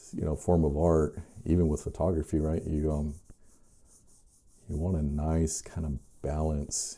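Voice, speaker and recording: Soft-spoken and calm, a man speaks in a very deep, low, dark and mellow voice, flat and monotone, at a fairly slow pace with long, frequent pauses. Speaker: artist, drawing instructor. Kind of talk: casual talk to camera, art tutorial narration. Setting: studio, ASMR recording. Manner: soft-spoken, calm.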